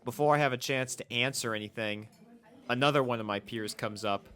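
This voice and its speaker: A man's voice: medium pitch, fairly quick, a bit bright, smooth. A man reading a first-person fan fiction story as its narrator.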